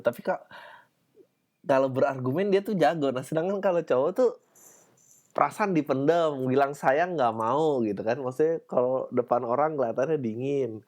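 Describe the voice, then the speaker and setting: A man's voice: mid-range voice, a little mellow. Playful podcast host man. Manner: playful, laughs often, mimics others' voices. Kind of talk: casual solo podcast chat.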